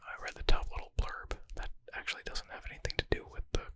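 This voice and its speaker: A man whispering in a breathy, unvoiced ASMR style, reading aloud and adding informal, thinking-aloud asides. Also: fast talker. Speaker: ASMR creator reading and answering medical exam questions.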